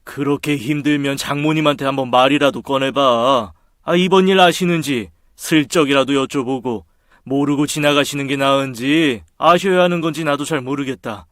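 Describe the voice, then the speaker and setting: A man playing a supportive young husband in a spoken story drama, giving calm, considerate advice. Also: mid-range voice, normal speed, dry recording, studio quality, lightly acted.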